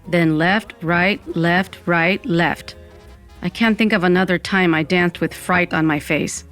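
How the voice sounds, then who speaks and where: A wry Latina storyteller looking back on her teens. Her voice is fairly low, in scripted first-person narration with music underneath. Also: fairly even intonation, measured pace, a bit bright.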